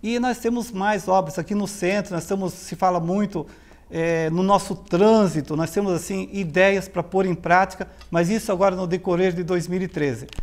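Moderately paced speech from a man, high in pitch, with fairly even intonation. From Jaraguá do Sul, Santa Catarina, southern Brazil; Santa Catarina, Brazil. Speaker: elected city councillor. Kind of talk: interview answers about career and plans. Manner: halting, with frequent filler 'é'. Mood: calm, earnest. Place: office. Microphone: lapel.

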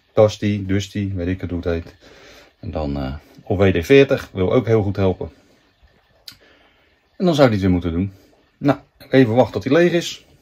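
His pitch is fairly low. The man keeps a moderate pace. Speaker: camper vlogger. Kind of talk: casual vlog chat. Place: car. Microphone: phone near.

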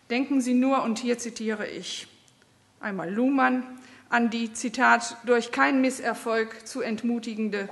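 A woman's fairly slow delivery with fairly even intonation. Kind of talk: formal speech. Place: hall. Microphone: podium.

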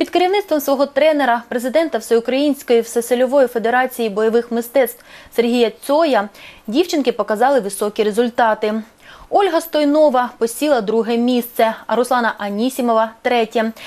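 A woman with a high pitch speaks at a moderate pace and at a very even loudness. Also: ordinary pitch variation. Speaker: TV news anchor. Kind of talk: news reading. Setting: studio.

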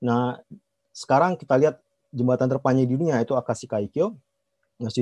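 A man's dark, mellow voice at a fairly quick pace, with ordinary pitch variation, a dry sound with no echo and a quiet background. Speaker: engineering researcher and lecturer; lecturer. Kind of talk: lecture. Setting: video call. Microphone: video call.

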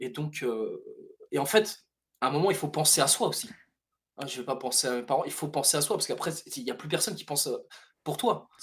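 A man talks at a fairly quick pace in a fairly high pitch, somewhat breathy, with long, frequent pauses. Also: lively intonation. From Paris region, France. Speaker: YouTuber guest. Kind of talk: casual interview chat. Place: home room.

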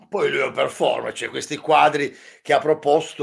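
A man's voice against a quiet background. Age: 40s. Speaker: philosophy teacher and online video host; philosophy teacher, online video host. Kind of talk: live-stream chat with guest. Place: home room. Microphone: video call.

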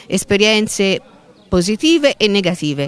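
With a dry sound and no echo, a woman speaks at a fairly slow pace. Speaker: school teacher. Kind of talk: interview. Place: garden. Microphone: handheld.

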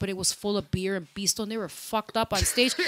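The background is quiet. A woman with an American accent talks at a fairly quick pace. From Chicago area, US. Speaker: musician. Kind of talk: casual chat. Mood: relaxed, candid, humorous. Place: studio. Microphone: studio mic.

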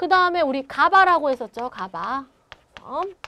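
A woman's raised, projected voice, bright and sharp in tone, with very wide pitch swings. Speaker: exam prep lecturer. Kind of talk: lecture. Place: studio. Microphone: lapel.

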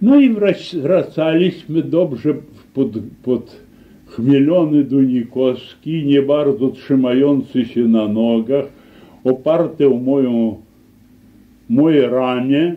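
Very slow speech from a man with an eastern Polish borderland accent, fairly high in pitch, with ordinary pitch variation and very even loudness. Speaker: sculptor and academic teacher. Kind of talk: interview answer, reminiscence.

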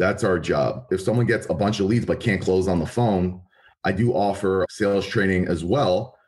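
Against a quiet background, a man speaks in a very deep, low pitch with ordinary pitch variation. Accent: New Jersey. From New Jersey. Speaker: entrepreneur, sales and lead generation expert. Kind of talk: interview answer. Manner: fast-talking.

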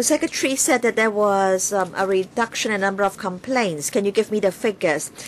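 A woman speaks at a fairly quick pace and medium pitch, with ordinary pitch variation.

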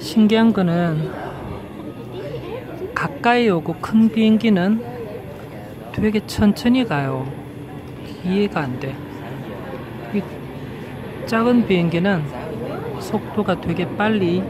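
With crowd noise behind her, a woman talks at a very slow pace with long, frequent pauses, in a dry sound with no echo. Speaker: solo traveler vlogger. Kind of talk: casual vlog chat. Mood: mildly disappointed, joking. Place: cafe. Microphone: phone near.

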